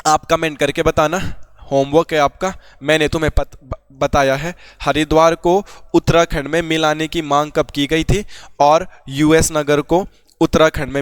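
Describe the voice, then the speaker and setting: Here a young man from Uttarakhand's Garhwal region runs an informal exam-prep lesson, chatting along and answering the questions he raises. His voice is smooth and fairly high, recorded without echo.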